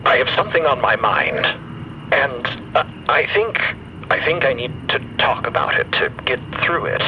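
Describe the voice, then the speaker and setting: A man's voice: mid-range voice, big pitch swings, moderate pace, noisy background, close to an everyday voice. An actor playing an earnest, troubled male crew member in audio fiction, formal and hesitant in manner. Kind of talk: audio fiction character dialogue.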